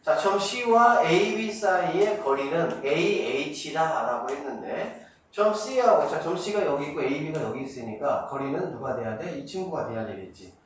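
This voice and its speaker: A middle-aged man giving a math lesson to middle school students, quizzing them and answering his own questions, drawing out key terms slowly. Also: fairly high pitch. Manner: asks students questions and answers them himself, counts steps aloud. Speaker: math academy director teaching middle school. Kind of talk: classroom math lecture. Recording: echoey room, distant mic, faint noise.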